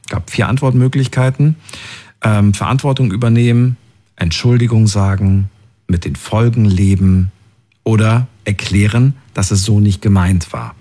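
A man's voice: on the low side, darkish tone, breathy edge. A man hosting a late-night call-in radio show from the studio, reading out listener poll results and messages. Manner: reads out listener polls and messages.

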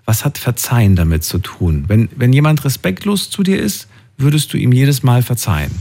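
Husky-voiced man probing a caller. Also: mid-range voice, very animated, moderate pace, dark tone. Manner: probing, questions each answer. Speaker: radio call-in host. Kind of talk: call-in radio talk.

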